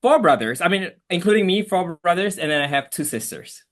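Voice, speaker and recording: A man's voice: high-pitched, expressive, a little fast, a bit bright. A young man from Malaysia with a Malaysian accent, a guest on an interview podcast, talking easygoing and chatty with many fillers. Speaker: guest, immigration attorney. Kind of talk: casual interview.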